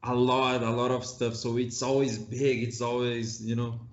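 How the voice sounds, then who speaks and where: Brazilian host, mid-pitched voice, friendly and casual, muffled lo-fi recording. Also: male voice, little pitch movement, normal speed, slight background noise. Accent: Brazilian Portuguese. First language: Portuguese. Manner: searching for English words, friendly. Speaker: podcast host. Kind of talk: casual interview chat.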